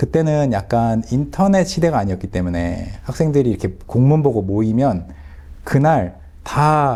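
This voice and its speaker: A man with a dark, mellow tone speaks at a fairly slow pace, his pitch swinging very widely. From South Korea, Gwangju. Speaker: language education company CEO. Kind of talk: casual interview chat.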